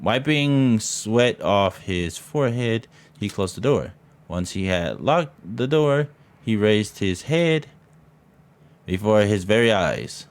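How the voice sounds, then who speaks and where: This streamer's voice is on the low side, slow-paced with lively intonation, as he reads a ghost story from a visual novel. He aims for drama yet trips over the text and tosses in profane, casual asides, with loud game music behind his voice.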